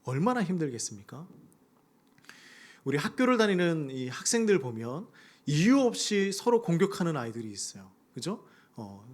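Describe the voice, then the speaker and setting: A man's voice: a little high, husky. A male pastor preaching a sermon, acting out prayers in a raised voice. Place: church sanctuary.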